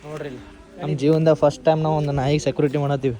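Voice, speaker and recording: A man's voice: a little high, flat delivery, racing, music in the background. A man with a North Karnataka accent chatting casually and informally to viewers as a vlogger, dropping in English phrases. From Karnataka, India. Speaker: YouTube vlogger. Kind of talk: casual vlog chat to viewers.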